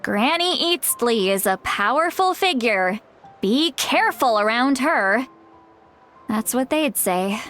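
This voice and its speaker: A woman's voice: on the high side, lively intonation, slow pace, a bit bright. An actress playing a frank, self-deprecating tribal elder woman in a video game, speaking casually with wry, hesitant asides. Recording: music behind the voice.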